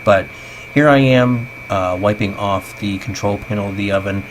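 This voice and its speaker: A man's voice: lowish voice, moderate pace. A man in his thirties narrating a casual, chatty, self-deprecating vlog voice-over on a basic home microphone, sounding tinny, as if through a tin can. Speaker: vlogger. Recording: tinny home voice-over, clear background noise.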